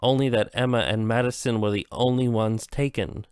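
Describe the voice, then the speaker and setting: A man reading the lines of a calm British woman scientist in a soft, measured way. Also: mid-range voice, smooth, dry recording, studio quality, natural voice.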